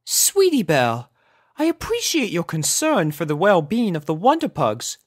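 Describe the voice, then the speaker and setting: A woman's voice: lowish voice, wildly swooping pitch, moderate pace, dry recording, studio quality, voice pushed up. A refined elder-sister unicorn mare, performed by a woman reading a story. The voice is raised and lilting, prim and composed, with formal, proper phrasing and a firm edge. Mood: sympathetic.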